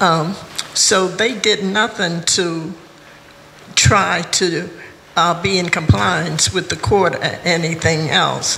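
A woman with a Southern US accent speaks very slowly at a fairly low pitch with ordinary pitch variation. Noticeable background noise runs underneath. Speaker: civil rights plaintiff. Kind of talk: panel discussion.

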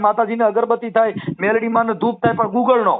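A man speaks with an extremely high-pitched voice. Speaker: prank caller exposing fake occult practitioners. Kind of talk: phone prank call. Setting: phone call.

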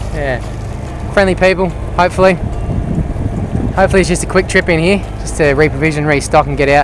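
A man talks at a very fast pace with music in the background. The sound is dry, with no echo. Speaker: sailing vlogger. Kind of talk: casual vlog chat. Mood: cheerful, amused, laughing. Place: boat. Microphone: phone near.

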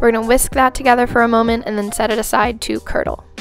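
Over music in the background, a woman speaks at a fairly quick pace in an upbeat tone. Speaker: vlogger. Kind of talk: casual talk to camera.

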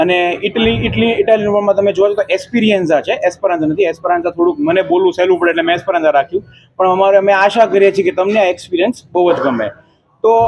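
The loudness stays very even throughout, while the pitch varies in an ordinary way. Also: man, high pitch for a man. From Mumbai, India. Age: 20s. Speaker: restaurant owner, software engineer. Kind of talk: interview talk promoting his restaurant.

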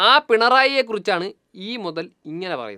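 The woman's pitch swings very widely. Vocal fry runs through her voice. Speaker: political commentator. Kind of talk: opinion monologue.

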